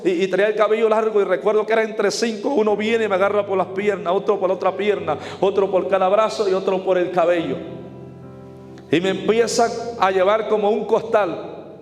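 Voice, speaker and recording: A man's voice: sits high, fairly even intonation, a little fast. A male evangelist giving an emphatic testimony sermon, repeatedly addressing his listeners as brothers. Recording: echoey hall with faint music.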